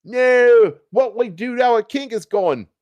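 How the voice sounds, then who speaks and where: A man's voice: very high-pitched, measured pace, a little mellow, smooth, dry recording, lo-fi sound, voice pushed up. A man playing grateful, pleading soldiers and statesmen in a storybook reading. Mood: despairing.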